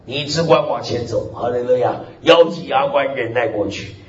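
A man's voice: medium pitch, normal speed, crowd noise. A man preaching a sermon as pastor, emphatic, with frequent hallelujahs and amens. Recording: echoey hall, dull lo-fi sound.

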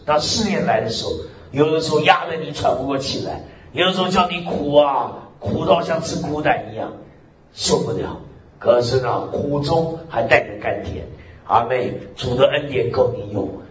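A man's voice: medium pitch, moderate pace, a crowd in the background. A man preaching a sermon as pastor, emphatic, with frequent hallelujahs and amens. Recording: echoey hall, dull lo-fi sound.

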